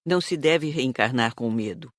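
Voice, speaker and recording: A performer playing a patient, moralizing spirit teacher, explaining in a measured, didactic way for an audiobook. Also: medium pitch, expressive, dry recording, clean studio sound, lightly acted. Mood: calm, instructive. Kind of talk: audiobook character reading.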